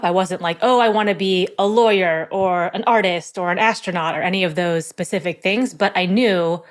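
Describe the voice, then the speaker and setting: A middle-aged woman, an executive coach, chatting as a guest in an interview, friendly and thoughtful, laughing easily. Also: on the low side. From born in South Korea, raised in the United States. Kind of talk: casual interview conversation.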